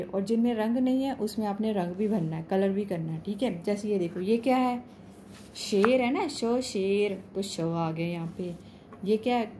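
Slow patient lady teacher talking to little kids, soft mellow voice, bit of hiss behind. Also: medium pitch. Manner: patient, repeats "ठीक है" and asks the class questions. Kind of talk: explaining a school lesson to children.

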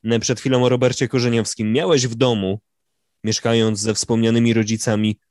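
A man's voice: medium pitch, level tone, fairly quick, a little mellow, no room sound, studio quality. A man hosting an interview, asking questions politely and a little formally. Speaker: podcast host.

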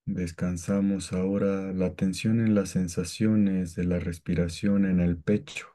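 A man guiding a meditation with calm, gentle, scripted instructions and long pauses between phrases. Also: low-pitched. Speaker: meditation guide.

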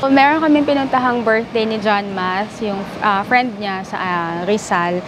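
Young female vlogger, casual and chatty, mid pitch, filmed at arm's length in a busy store. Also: normal speed. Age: young adult. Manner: chatty, reads out prices and product names. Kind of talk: casual vlog narration while shopping. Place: large air-conditioned supermarket. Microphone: handheld camera at arm's length. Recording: noisy store ambience.

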